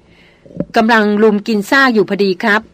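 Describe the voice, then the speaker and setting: A woman voicing a calm veteran hunter. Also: mid-range voice, natural voice. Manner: plain, unhurried report. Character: calm, seasoned male jungle hunter guide.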